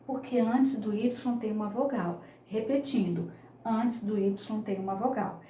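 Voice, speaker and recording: A woman's voice: mid-range voice, measured pace, warm tone, reverberant, a little hiss or hum. A woman, teaching English grammar in an online lesson, patiently repeating each key point.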